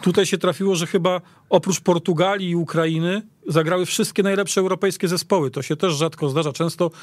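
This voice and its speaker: A man talking informally as a sports guest, in a halting way that often repeats words. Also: sits high, steady tone, no room sound. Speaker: studio guest pundit. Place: radio studio.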